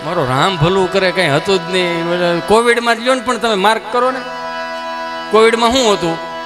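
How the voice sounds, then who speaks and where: A man's voice: high-pitched, normal speed, over music. A man doing live stand-up. He talks chattily, throws asides to the audience and puts on voices in his anecdotes. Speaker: comedian.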